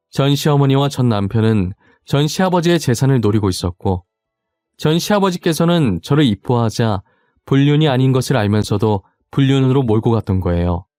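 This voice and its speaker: A man reading a first-person story aloud in calm, even scripted narration. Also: mid-range voice, no room sound, clean studio sound.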